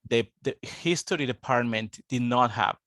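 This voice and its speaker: Guy in his 50s, steady and earnest, dry close sound. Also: mid-range voice, normal speed, no echo. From Colombia. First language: Spanish. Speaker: guest, international student advisor. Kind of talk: interview, telling his life story.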